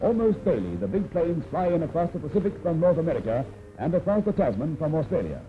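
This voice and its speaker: A man's voice: on the high side, sing-song, fast talker. Man narrating an old newsreel. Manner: formal, announcing delivery. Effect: old newsreel soundtrack. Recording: tinny old newsreel audio with music.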